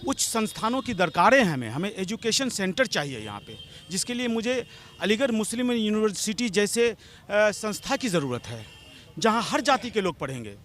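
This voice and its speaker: A man's voice: high voice, very animated, normal speed, fairly bright tone. A man giving an impassioned, argumentative street interview, pressing his demands and repeatedly calling the interviewer madam. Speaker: local political supporter interviewed.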